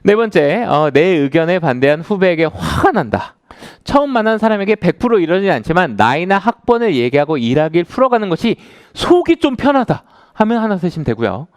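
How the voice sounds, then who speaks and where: A man's voice: high-pitched, very animated, fairly quick, dry recording, clean studio sound. A man in his thirties, an author giving a conversational lecture to a live audience and asking them questions. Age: 30s.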